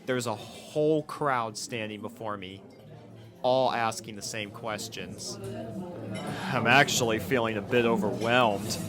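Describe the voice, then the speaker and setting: A man reading a first-person fan fiction story as its narrator. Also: medium pitch.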